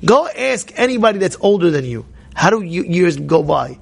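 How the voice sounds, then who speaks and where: Rabbi, male, high-pitched with a gravelly edge, preaching hard and repeating himself for emphasis. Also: very animated, normal speed. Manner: rises to emphatic near-shouts, repeats key phrases, asks and answers himself. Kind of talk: energetic Torah class.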